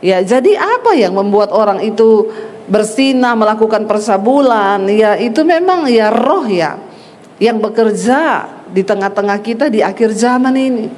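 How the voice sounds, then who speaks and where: Here the same kind of storytelling sermon comes from a middle-aged woman pastor whose voice sits on the high side, a little mellow, with lively intonation at a normal pace. She acts out quoted voices bluntly as the hall's reverb echoes around her.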